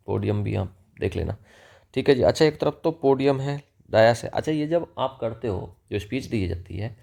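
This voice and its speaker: A man with an Indian accent explains English vocabulary in Hindi as a teacher, asking and answering his own questions and reading example sentences slowly. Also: on the low side, creaky, warm tone.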